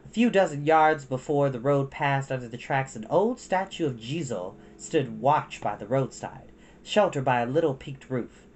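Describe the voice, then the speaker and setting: A woman reading a children's storybook aloud in an expressive narrating style. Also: rumbling low, moderate pace, a little hiss or hum. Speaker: storytime reader.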